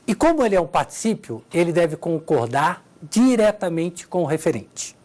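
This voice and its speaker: A woman's voice: lowish voice, sing-song, normal speed, darkish tone. A woman teaching Portuguese grammar in a televised lesson, walking through examples and checking in with her listeners. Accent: Brazilian Portuguese.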